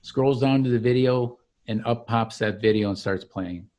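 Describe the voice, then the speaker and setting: A man presents his product in an informal walkthrough. He explains each step as he clicks through it, with the pitch of a salesman. His voice sits at a middling male pitch. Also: normal speed, darkish tone. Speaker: company founder demonstrating his product. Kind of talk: informal software demo walkthrough.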